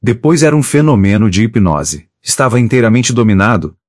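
A man narrating an audiobook of classic prose with steady, measured reading. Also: lowish voice, no echo, clean studio sound.

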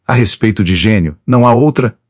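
A man's voice: on the low side, fairly quick, no echo, studio quality, natural voice. A man voicing an eager, doting newlywed husband who gushes about his bride. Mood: gushing.

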